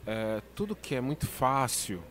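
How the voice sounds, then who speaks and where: A Brazilian man with a middle-pitched voice co-hosts a podcast conversation. He reflects aloud, often pausing and restarting his phrases. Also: big pitch swings, fairly bright tone. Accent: Brazilian Portuguese. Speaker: podcast co-host.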